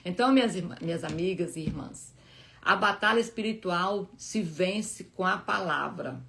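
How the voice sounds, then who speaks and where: Female host, lowish fry-edged voice, informal heartfelt Bible talk full of restarts. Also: a bit bright, slight background noise. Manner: heartfelt, halting, many restarts and fillers. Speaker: Bible study live host.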